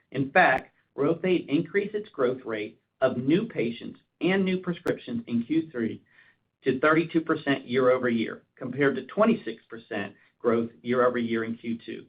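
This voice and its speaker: A man, a senior executive, reading a scripted commercial update for an earnings call in a formal, businesslike way. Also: mid-range voice. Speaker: chief operating officer. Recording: narrowband phone conference line.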